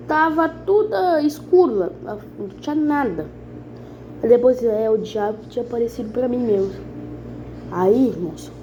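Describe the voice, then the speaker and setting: A woman's voice: on the high side, dark tone, dull audio, slight background noise. A woman with a Brazilian accent gives her conversion testimony to a congregation in an earnest, repetitive, dramatic way. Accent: Brazilian Portuguese. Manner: earnest, repetitive, dramatic storytelling that addresses listeners as brothers. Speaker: church member giving testimony.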